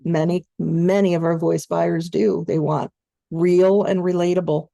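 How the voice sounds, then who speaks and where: A woman coaching voice-over students in an online training session, explaining in a steady conversational way. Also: on the low side, a little slow, gravelly, no room sound, clean studio sound.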